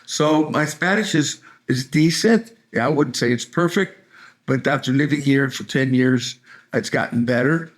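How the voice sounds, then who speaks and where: An older man from California speaking in a relaxed, chatty way. He tells everyday stories with easy humor, laughing along now and then. His pitch sits in an ordinary middle range. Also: normal speed. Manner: easygoing, chatty, laughs while telling stories. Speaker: interviewee, retiree in Mexico. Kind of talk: casual interview chat.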